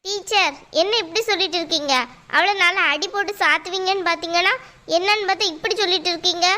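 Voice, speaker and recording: Woman voicing a loud, demanding cartoon mother; squeaky high, bright tone. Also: steady tone, fast. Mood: angry. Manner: shrill, bossy, demanding. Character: loud scolding mother, quarrelsome and pushy. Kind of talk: cartoon voice acting.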